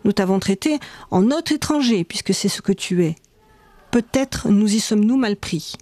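A guarded, tired school director speaks in a lecturing, patient tone, as a woman reader puts him on. The voice sits fairly high and mellow, close and dry. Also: animated, normal speed, no room sound. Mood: conciliatory. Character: weary male school director, middle-aged, guarded. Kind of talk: read-aloud memoir dialogue.

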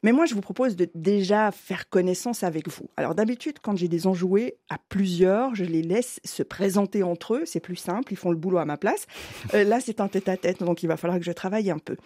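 A woman's voice: mid-range voice, fairly quick, mellow, dry recording. A woman hosting a radio interview, friendly and joking with her guest. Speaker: radio host.

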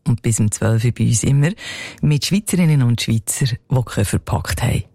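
A man's voice: mid-range voice, brisk. A man with a Swiss German accent hosting a radio show, interviewing a guest in an upbeat, chatty way. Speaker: radio host.

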